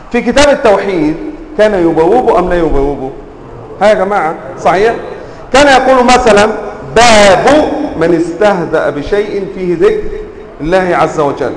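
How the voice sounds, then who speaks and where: A man teaching Arabic grammar to a class. He quizzes the students with frequent questions and drawls example words slowly for emphasis. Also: sits high, a little hiss or hum. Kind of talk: classroom lecture. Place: lecture room with students. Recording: roomy echo, faint ambience.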